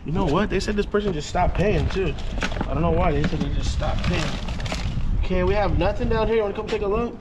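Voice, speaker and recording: Excitable man unboxing outdoors. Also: high-pitched, fairly quick, heavy background noise. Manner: excitable, joking, talks to camera. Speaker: storage unit buyer. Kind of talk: casual vlog while unboxing. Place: outdoor storage facility, sunny lot. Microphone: camera mic, handheld close.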